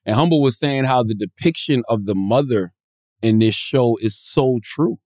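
A man co-hosting a podcast in casual chat, animated and slangy, often laughing. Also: mid-range voice, normal speed, dry recording, clean studio sound. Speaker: podcast co-host.

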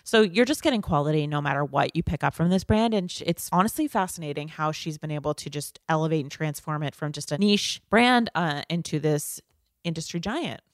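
Low-pitched woman, casual podcast co-host, filler-heavy, dry mic. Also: lively intonation, fairly quick, dry recording. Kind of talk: casual chat.

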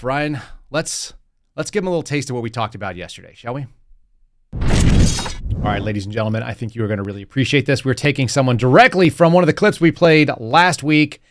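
A man's voice: medium pitch, no echo, studio quality. A man hosting a political podcast in a brash, casual way, reading ads and interviewing a guest. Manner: brash, casual, punchy ad reads. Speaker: podcast host.

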